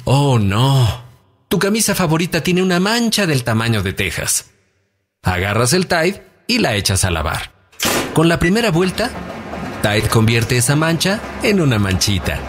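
A man's voice: a little high, unhurried. A man reading a playful radio commercial, stretching words for comic effect. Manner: lively, cartoonish stretching of words. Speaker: commercial announcer. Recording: radio ad with backing music.

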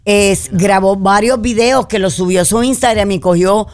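A woman co-hosting a radio talk show, teasing and sharp-tongued. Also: medium pitch, steady tone, moderate pace. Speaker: radio co-host. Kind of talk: casual banter.

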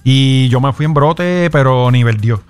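A man hosting a casual call-in radio show, joking and animated. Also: medium pitch, measured pace, smooth, soft background music. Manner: joking, animated, laughs often. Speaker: radio host.

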